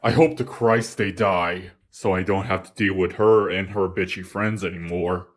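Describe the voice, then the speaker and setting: A man's voice: sits low, steady tone, normal speed, faint music behind. A man voicing a crude, sarcastic, grumbling adult in a fan-made cartoon parody dub.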